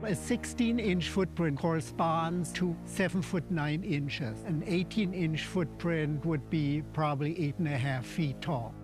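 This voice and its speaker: An older man speaks as an expert in a documentary interview, in a slightly high voice. He explains things precisely and formally, choosing his words with deliberation, while music plays clearly underneath. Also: a little slow, few pauses.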